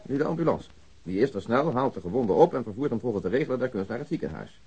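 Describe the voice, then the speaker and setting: An actor playing a wry, matter-of-fact police detective in a Dutch radio crime drama, briefing in an orderly way. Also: male voice, medium pitch, sing-song, quick pace, a little mellow, breathy edge. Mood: formal, measured.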